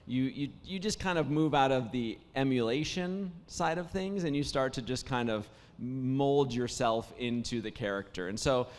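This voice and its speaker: A man who is a voice actor, hoarse after days of talking, telling stories in casual panel conversation with plenty of restarts and fillers. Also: mid-range voice, moderate pace, hardly any pauses, big-room sound. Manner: warm storytelling, many restarts and fillers.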